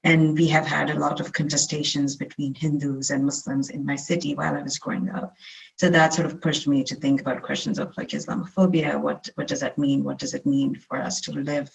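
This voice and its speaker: Chatty woman from India, gravelly voice. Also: sits low, level tone, brisk, poor audio. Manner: conversational, frequent fillers and restarts. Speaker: guest lecturer. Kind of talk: webinar lecture. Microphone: video call.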